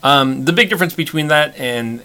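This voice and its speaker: Bright-voiced man chatting casually. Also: fairly high pitch. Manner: halting, many restarts and fillers. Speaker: podcast co-host. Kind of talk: casual chat about board games.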